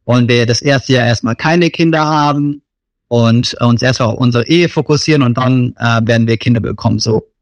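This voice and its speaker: A man's voice: medium pitch, brisk, no room sound. A man in his thirties, born in Germany, answering interview questions in a hesitant, casual way with many fillers. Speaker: missionary interview guest.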